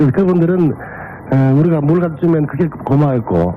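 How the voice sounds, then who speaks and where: A man with a fairly high pitch, at a moderate pace, over noticeable background noise. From South Korea, Chilgok (Waegwan), North Gyeongsang. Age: 50s. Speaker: local agricultural cooperative manager. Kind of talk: interview testimony. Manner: hesitant, many fillers.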